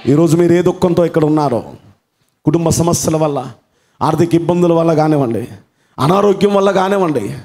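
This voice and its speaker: A pastor preaches fervently in a fairly high, warm voice, speaking fairly quickly but with long pauses. He tells a story dramatically, repeats phrases for emphasis, and exclaims hallelujah.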